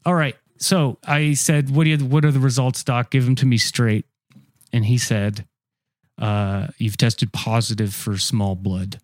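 Deadpan joking man on a dry podcast mic. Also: mid-range voice, dry recording. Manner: deadpan absurd bits, quick teasing. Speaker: comedian co-host. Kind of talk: casual comedic banter.

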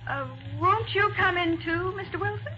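Brief: eager young American gal sleuth, bright lively delivery, 1940s radio mystery, muffled noisy recording. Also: female voice, very high voice, normal speed. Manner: eager, inquisitive, musing aloud. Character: Patsy, inquisitive young woman amateur detective's assistant.

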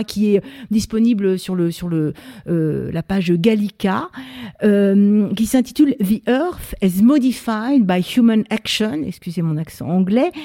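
A woman hosts a panel debate in a mellow, warm voice at a middling pitch. She speaks with plenty of fillers and restarts as she introduces her guests and frames the questions. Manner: hesitant, frequent fillers and restarts. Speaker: debate host. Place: library event venue.

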